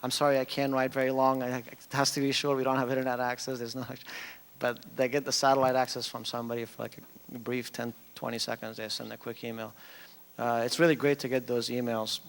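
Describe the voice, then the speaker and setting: A man giving an informal, unscripted public speech in a halting way, often repeating and rephrasing himself. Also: mid-range voice, little pitch movement, a bit bright, clear, resonant tone. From United States (Massachusetts), Afghan-born family. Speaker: community group speaker. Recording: long hall reverberation.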